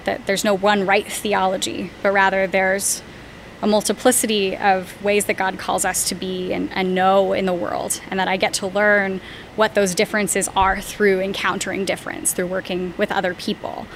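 Earnest woman with a flat, level voice. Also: medium pitch, normal speed, a little hiss or hum, low-quality recording. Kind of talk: reflective conversational interview.

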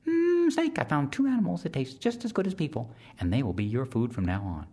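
A man voicing a tiny, eager female mosquito with a very high, humming, squeaky voice. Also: big pitch swings, a little fast, dark tone. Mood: chirpy.

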